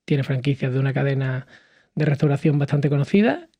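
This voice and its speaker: A man from Cádiz in his thirties, speaking as a podcast guest in a lively conversational way, with frequent fillers and restarts. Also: mid-range voice, brisk, dry recording. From southern Spain, Cádiz. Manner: animated storytelling with many fillers and restarts. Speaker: podcast guest, hospitality entrepreneur. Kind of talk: conversational interview.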